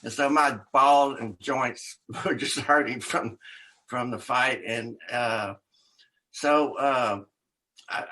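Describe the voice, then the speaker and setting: An older man, an author, telling a rambling story as an interview guest, often quoting others and laughing. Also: mid-range voice. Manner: rambling, animated storyteller with laughs and quoted voices.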